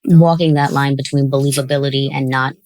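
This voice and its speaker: A woman's voice: a bass voice, fairly even intonation, brisk, darkish tone. A woman hosting a casual commentary on an audio drama, chatty and reflective as the show's creator.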